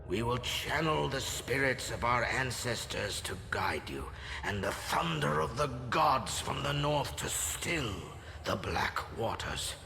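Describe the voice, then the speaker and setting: An actor playing a grave, solemn old tribal elder in a game, with a gravelly, breathy voice and weighty delivery. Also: male voice, medium pitch, expressive, noisy background. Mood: grave urging. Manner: slow, weighty, portentous. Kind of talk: solemn dramatic game cutscene monologue.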